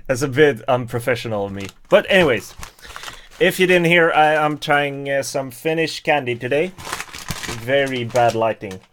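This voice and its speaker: A man from Sweden, chatting casually and haltingly on his live stream, chuckling between many fillers. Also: medium pitch, animated, a bit bright, slight background noise. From Stockholm, Sweden. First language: Swedish. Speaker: YouTuber hosting a live stream. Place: home setup at a table.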